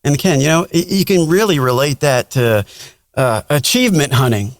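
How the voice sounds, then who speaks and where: A man's voice: on the high side, lively intonation, normal speed, no echo, clean studio sound. A man co-hosting a casual podcast, asking questions in an encouraging way. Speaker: podcast co-host.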